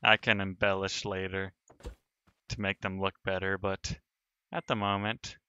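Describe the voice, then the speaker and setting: A man's voice: sits low, little pitch movement, unhurried, bright, forceful tone, clear, resonant tone, muffled recording. A man streaming a sandbox building game, thinking aloud in casual commentary as he narrates each step of his work.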